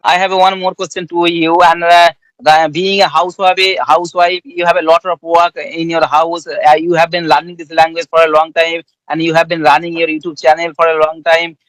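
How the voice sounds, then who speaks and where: Bengali-accented man, high-pitched, polite and formal, dry close sound; interviewer in a conversation drill. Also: level tone, normal speed, fairly bright tone, no room sound, poor audio. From West Bengal, India. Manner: polite, formal questions, says "ma'am".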